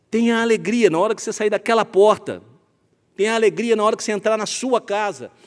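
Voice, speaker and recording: A man speaks at an extremely high pitch. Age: 60s. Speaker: preacher. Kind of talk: sermon. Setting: church. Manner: emphatic, repetitive exhortation.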